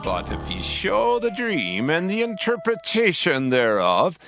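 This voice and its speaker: A proud ancient monarch declaims with menace and authority. The delivery is slow and imperious, rising and falling dramatically, with music clearly playing behind it. It belongs to a dramatized scripture recording. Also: male voice, sits high, wildly swooping pitch, full character voice. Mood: menacing. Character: proud, wrathful, threatening Babylonian king.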